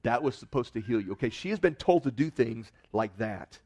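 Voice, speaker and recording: A man delivers a sermon in an average-pitched voice, retelling a story with lively rises in pitch and loudness on key moments. He dramatizes quoted words and then drops back to a calm, earnest tone. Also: brisk. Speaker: pastor.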